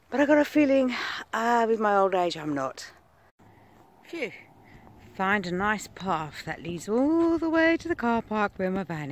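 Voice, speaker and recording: A middle-aged woman vlogging casually from her phone outdoors, chatty, laughing often and dropping into breathy asides. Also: mid-range voice, a bit bright, a little hiss or hum. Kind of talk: casual vlog narration. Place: outdoors on windy coast and town streets. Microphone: phone at arm's length.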